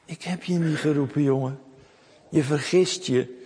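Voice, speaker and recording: A man voicing a patient, kindly old male priest in a low, soft voice, in a children's Bible story. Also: measured pace, breathy edge, long reverb tail. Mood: gentle.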